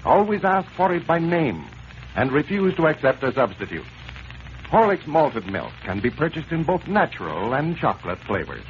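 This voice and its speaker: A man announcing on a 1930s radio show, with a smooth, emphatic sales delivery and a recap of the story. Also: fairly high pitch, big pitch swings, moderate pace. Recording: old lo-fi radio transcription with hiss.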